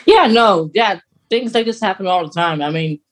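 Higher-pitched man, casual podcast co-host. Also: animated, normal speed, a bit bright. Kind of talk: casual chat.

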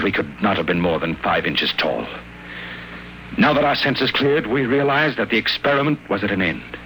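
An actor playing a haunted captive, gravely and dramatically recounting his nightmare in a 1950s radio drama. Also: on the low side, sharp tone, slight background noise, rough recording. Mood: grim dread. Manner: grave, dramatic first-person storytelling. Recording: vintage 1950 radio broadcast.

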